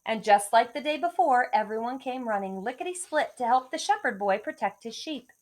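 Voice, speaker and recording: A woman reading a story aloud to young children like a teacher, in an expressive storytelling manner. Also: on the high side, a little fast. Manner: expressive, clearly addressing children. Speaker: elementary school teacher reading to pupils.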